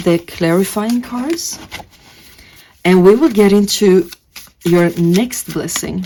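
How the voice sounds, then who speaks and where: Speaking at a very slow pace with long, frequent pauses, a woman with a non-native accent keeps a medium pitch and ordinary pitch variation. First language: not English. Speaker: tarot reader. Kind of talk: tarot reading. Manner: casual, halting.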